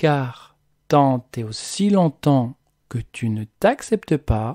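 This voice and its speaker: A man speaks at a very slow pace with a dark, mellow tone. The sound is dry and close, without any echo. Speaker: personal development podcaster. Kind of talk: motivational monologue. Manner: conversational, addressing listener directly.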